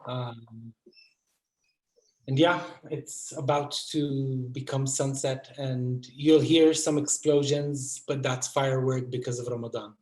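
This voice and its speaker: A male theatre guest explaining things in a measured way over a video call, with a few fillers. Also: mid-range voice, steady tone, darkish tone. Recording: echoey room on video call.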